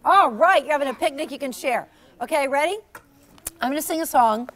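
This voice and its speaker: A woman storyteller talking with young children in an encouraging, animated, teacherly way, asking questions and praising. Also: high voice, fairly quick.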